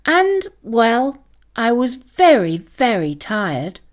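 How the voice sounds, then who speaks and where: A woman plays a mother dog from a children's storybook in a high, lively voice. She is firm and protective, a loving parent talking to her little ones. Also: extremely slow, heavily acted. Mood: gentle, apologetic.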